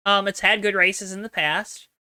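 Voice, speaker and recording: A young adult woman co-hosts a podcast, chatting casually with a joking, self-deprecating humor. Her mid-range voice is bright, forceful, clear and resonant, with fairly even intonation and a normal speed. There's no room sound.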